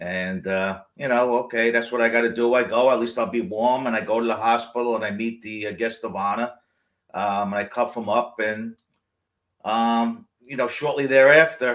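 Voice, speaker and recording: Against a quiet background, a man in a normal speaking voice talks at a moderate pace and medium pitch with fairly even intonation. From Brooklyn, New York. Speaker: retired police detective. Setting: video call.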